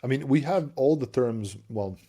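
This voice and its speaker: A man's voice: mid-range voice, lively intonation, moderate pace, warm tone, slightly rough. A man with a Serbian accent, a native Serbian speaker, co-hosting a casual tech stream. He chats loosely, laughs often, and repeats words while he hunts for the right one.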